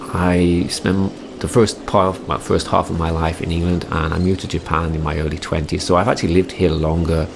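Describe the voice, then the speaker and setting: Over noticeable background noise, a speaker with an American accent talks in a flat monotone. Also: man. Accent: English accent, people say it sounds American. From English Midlands (Derby). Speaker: RC hobby YouTuber. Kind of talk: casual vlog narration. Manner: hesitant, many fillers.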